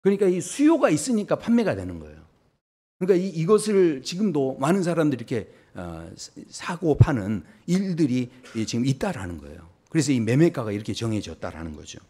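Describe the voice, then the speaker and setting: A man's voice: mid-range voice, a little fast, slightly rough. A man preaching a Sunday sermon as pastor, telling stories and acting out little voices as he goes. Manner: storytelling with lively acted-out voices for body parts.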